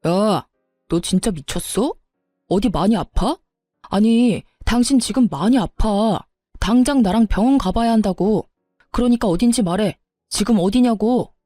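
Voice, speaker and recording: 여자가 연기하는 애원하는 남편. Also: female voice, mid-range voice, unhurried, warm tone, no echo, faint music behind, natural voice. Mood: angry. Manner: begging then threatening, flip-flopping. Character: desperate pleading husband, quick-tempered, married man. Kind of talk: story narration with voiced dialogue.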